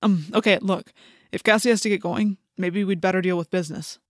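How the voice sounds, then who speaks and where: A woman's voice: mid-range voice, fairly even intonation, brisk, no echo, clean studio sound, lightly acted. A woman voicing a practical, level-headed teenage boy who leads his group, with a businesslike manner, in an audiobook. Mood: impatient.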